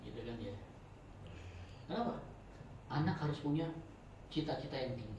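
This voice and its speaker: A man teaching a religious study circle in a chatty, joking sermon style, swinging between loud and soft. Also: mid-range voice, animated, moderate pace, lo-fi sound, slight background noise. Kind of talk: informal sermon. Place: prayer room. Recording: very echoey room, voice from far off.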